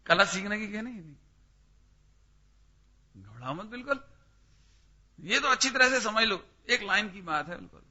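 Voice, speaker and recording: A man's voice: sits high, expressive, normal speed, long pauses, sharp tone. A man teaching a scripture study class, questioning his listeners by name and pressing each point emphatically. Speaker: religious teacher. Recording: dull lo-fi recording.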